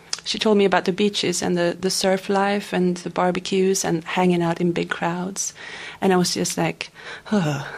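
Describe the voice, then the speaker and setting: Speaking at a moderate pace, a woman with a Swedish accent keeps a monotone, flat intonation. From northern Sweden, Robertsfors; Sweden. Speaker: singer-songwriter; guest. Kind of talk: radio interview. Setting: radio studio.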